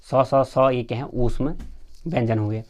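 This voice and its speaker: A man's voice: mid-range voice, steady tone, a little slow, darkish tone, dry recording. A man teaching a grammar lesson in quiz form. He reads each question aloud and then explains the answer, with frequent fillers, calling his viewers friends.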